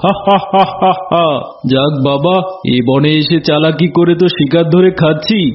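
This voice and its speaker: A man voicing a sly, boastful, villainous tiger in an animated fable, theatrical in manner. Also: fairly high pitch, normal speed, close to an everyday voice. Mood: gloating, menacing. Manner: gloating, theatrical, with villainous cackles. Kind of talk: Bengali animated fable voice acting. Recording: dull lo-fi audio with music.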